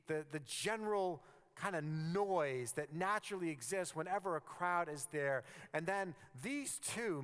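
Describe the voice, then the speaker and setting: A male pastor preaches in a lively, conversational way, and his voice sits a little high. He swings his pitch widely and sometimes sinks to a hush for effect. The long reverb of a church hall trails after his words. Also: smooth. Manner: animated, conversational preaching that drops to near-whispers for emphasis. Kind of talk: sermon. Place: church sanctuary.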